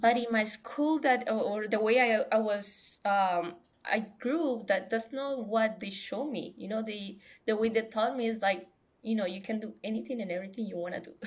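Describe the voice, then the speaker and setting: Somewhat breathy and fairly high-pitched, a woman with a Spanish accent speaks at a moderate pace, with ordinary pitch variation and big swings in loudness. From Colombia. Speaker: biomedical technician and YouTuber. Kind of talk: podcast interview. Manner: halting, many false starts.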